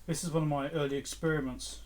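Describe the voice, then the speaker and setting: The host of an electronics repair channel, a middle-aged man, thinks out loud casually as he works through items, vlog-style. He speaks at a quick pace in a slightly high, steady voice.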